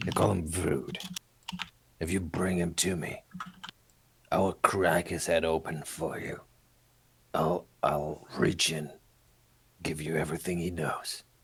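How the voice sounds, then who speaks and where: A man speaks in a put-on character voice, very deep and gruff. He goes at a fairly slow pace with long, frequent pauses. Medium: actual play. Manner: gruff, terse.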